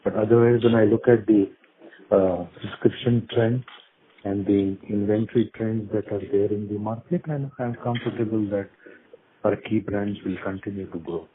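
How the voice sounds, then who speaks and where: A man's voice: fairly low pitch, fairly even intonation, normal speed. A man answering business questions as a company executive, speaking unscripted over a phone line. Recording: narrowband phone line with clicks and noise.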